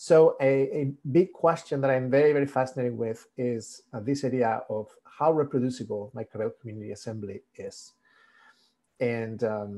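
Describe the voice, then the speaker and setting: A man speaks with a dark, mellow tone. His pitch varies in an ordinary way. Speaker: university lecturer. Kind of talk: lecture. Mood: calm, enthusiastic. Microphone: video call.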